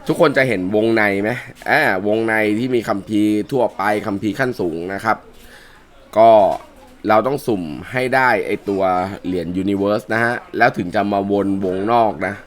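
A man hosts a casual review of game skins with a hoarse, worn-out voice. He keeps his tone fairly low and talks in a loose, chatty way, deliberately pushing his voice down to get the words out. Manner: chatty, pushing his voice lower than usual. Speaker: mobile game channel host.

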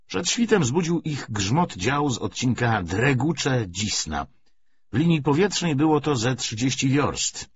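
A man narrating a literary audiobook in an expressive, scripted reading style. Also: lowish voice, dull audio, slight background noise.

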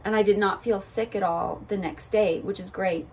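Raspy, chatty woman vlogging at home. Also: medium pitch, normal speed, poor audio. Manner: chatty, relaxed, frequent "like" and "um". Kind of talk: casual vlog chat to camera. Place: home rooms and outdoors at a cemetery.

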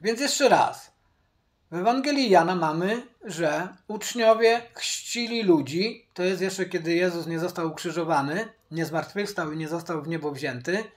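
A man teaching from the Bible, speaking deliberately, repeating his key points and addressing viewers directly. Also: sits high. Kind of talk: Bible study commentary.

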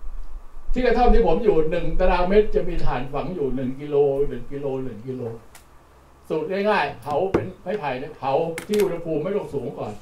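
At an outdoor training session, an older man lectures plainly on charcoal, repeating words for emphasis. His fairly high, slightly mellow voice moves quickly with lively intonation, and the distant mic gives a roomy sound with faint noise.

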